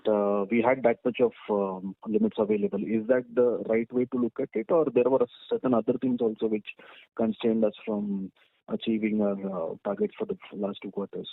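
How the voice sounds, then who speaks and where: A man's voice: mid-range voice, vocal fry, no echo. A man with an Indian accent putting questions as an investment analyst on an earnings call over a phone line. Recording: tinny narrowband phone line.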